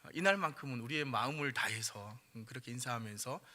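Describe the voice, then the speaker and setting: Middle-aged pastor, bright sharp voice, chatty sermon, echo of a church hall. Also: male voice, animated, fast talker. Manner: conversational, frequent fillers, rises in pitch and volume when emphasizing.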